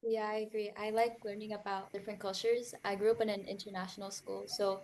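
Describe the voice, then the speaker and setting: A seventeen-year-old girl from the United Arab Emirates, a guest, speaking softly and trailing off. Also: mid-range voice, little pitch movement, fairly quick, a little hiss or hum. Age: teens.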